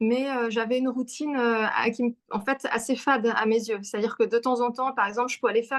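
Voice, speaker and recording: The delivery moves at a fairly quick pace with fairly even intonation over a quiet background. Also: woman. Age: 30s. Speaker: coaching client giving testimony. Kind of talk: testimony interview. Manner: halting, many hesitations.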